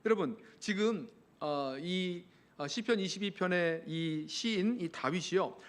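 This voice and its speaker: A man with a high, light voice and a Korean accent delivers a church sermon. He speaks earnestly and slips into pleading prayer lines. He sounds like a middle-aged senior pastor addressing his congregation. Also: a little slow.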